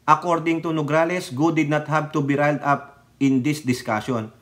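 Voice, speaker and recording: A Filipino man delivers casual political commentary on his vlog. He talks straight to his viewers in an animated, needling way, and his voice sits a little higher than most men's. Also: moderate pace.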